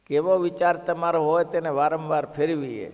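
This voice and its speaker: A man's voice: fairly high pitch, moderate pace. A man giving a devotional sermon, telling stories expressively and asking the listeners rhetorical questions. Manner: expressive, rhetorical questions, acts out quoted villagers. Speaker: religious discourse speaker. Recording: long hall reverb.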